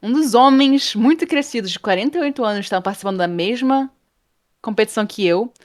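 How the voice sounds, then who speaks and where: A woman, a guest in an interview, telling a story in a casual, animated way and acting out the people in it. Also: a little high, quick pace, dry recording, clean studio sound. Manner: animated, acts out quoted people, laughs often. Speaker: interview guest, game art professor.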